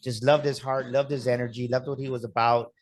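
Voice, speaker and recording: A man's voice: medium pitch, brisk, slight background noise. Hyped-up male podcast host. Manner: energetic, hyped-up delivery with repeated calls to action. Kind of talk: motivational podcast interview.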